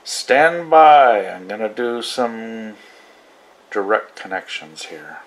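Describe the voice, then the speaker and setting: Male hobby vlogger, casual and unhurried, loosely thinking aloud, slow delivery. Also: lowish voice, expressive. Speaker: radio hobbyist demonstrating receivers. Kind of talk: casual vlog demonstration. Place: small indoor radio desk.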